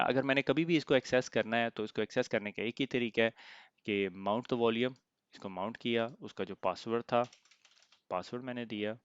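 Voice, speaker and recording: A man teaching an IT lesson step by step, pausing often to check in, his throat slightly sore. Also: lowish voice, clear, resonant tone, no room sound, muffled recording. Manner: explains step by step, often asks "theek hai?". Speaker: IT instructor. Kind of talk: screen-recorded software tutorial.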